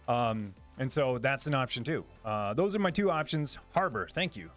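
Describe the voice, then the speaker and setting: A man's voice: medium pitch, lively intonation, moderate pace, a bit bright, faint music behind. Chatty man hosting a live stream. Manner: rambling and upbeat, many fillers and restarts, laughs often. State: voice a little lower than usual. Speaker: live stream host answering chat. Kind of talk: casual live-stream chat.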